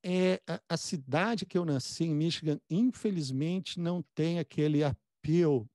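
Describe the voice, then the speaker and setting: A man hosting a casual conversational interview, speaking haltingly and often repeating words as he goes. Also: on the high side, mellow, no room sound, studio quality. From born in the United States.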